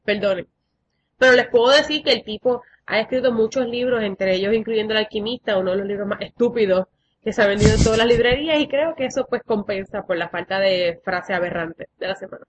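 A woman co-hosting a podcast, blunt, sarcastic and animated. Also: mid-range voice, a little fast. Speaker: podcast co-host. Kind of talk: casual podcast chat. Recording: dull lo-fi sound with faint noise.

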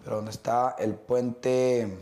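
A middle-aged man, talking as an interview guest. His pitch sits in a middle register, and his stories ramble along with fillers and restarts. The room around him is echoey. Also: takes it slowly. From Mexico. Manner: relaxed, rambling storytelling with many fillers and restarts. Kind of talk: casual interview conversation.

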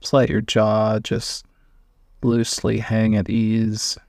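A man guiding a meditation, giving gentle invitations with long pauses between phrases. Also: lowish voice, monotone, gravelly, dry recording, clean studio sound. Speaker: meditation guide. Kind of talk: guided meditation.

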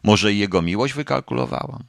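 A man reading a first-person novel aloud as an audiobook, in a measured, subdued way. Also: fairly low pitch, vocal fry, no echo, clean studio sound. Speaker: audiobook narrator.

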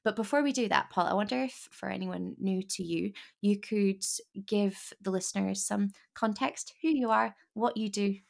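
A woman's voice: medium pitch, moderate pace, creaky, few pauses. A young woman hosting a podcast, chatting casually with restarts as she introduces and talks with her guest. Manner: warm, chatty, trailing restarts. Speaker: podcast host. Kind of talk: casual interview chat.

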